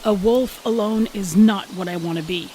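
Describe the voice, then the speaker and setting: Man voicing a high-pitched young she-wolf, earnest and proud. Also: normal speed, warm tone, a little hiss or hum, close to an everyday voice. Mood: earnest offering. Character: young lone she-wolf, eager, submissive but proud.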